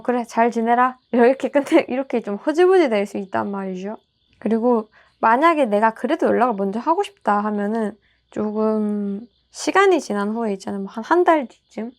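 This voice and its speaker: A woman's voice: medium pitch, darkish tone. A woman casually reading tarot cards for her viewers, chatty and reassuring, sometimes acting out small quoted lines. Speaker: tarot reader.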